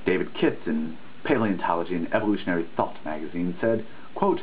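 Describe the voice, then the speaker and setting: A man with a low, expressive voice reads a dissertation aloud a little quickly, dramatizing the text in an earnest, emphatic, preachy way. Now and then he trips over a word. The audio sounds tinny, like a phone, with faint background noise.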